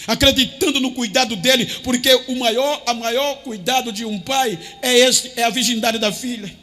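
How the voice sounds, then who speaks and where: A man's voice: extremely high pitch, steady tone, moderate pace, sharp tone. A man preaching a sermon as pastor, impassioned, drawing some phrases out in a chanting tone.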